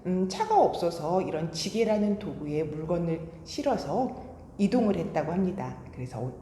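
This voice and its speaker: Animated woman storyteller in an echoey room. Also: low-pitched. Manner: addresses young children with questions and simple explanations. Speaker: children's storytelling teacher. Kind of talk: children's storytelling and sing-along greeting. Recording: echoey reverberant room, faint background noise.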